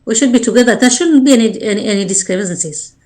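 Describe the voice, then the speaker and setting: A woman's voice: on the high side, quick pace, darkish tone. A woman from Bangladesh, speaking earnestly as a life coach and guest on a radio interview. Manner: earnest, speaks in short restarting phrases.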